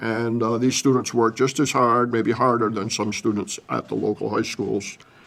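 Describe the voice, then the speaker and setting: A man talks with vocal fry and fairly even intonation. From Vermont. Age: 80s+. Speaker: retired educator. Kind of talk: personal reminiscence. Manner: hesitant, frequent filler sounds.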